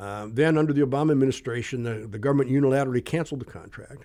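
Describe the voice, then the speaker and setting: A man's very fast speech in a dark, mellow tone with an American accent. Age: 60s. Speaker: retired Air Force pilot and flight instructor. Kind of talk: casual interview conversation.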